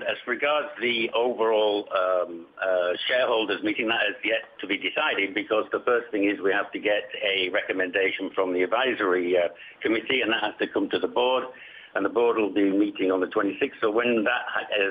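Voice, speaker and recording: Low husky man on a muffled line. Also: steady tone, fairly quick. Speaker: company executive answering questions. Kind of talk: conference call question and answer. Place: conference call. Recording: muffled conference call line.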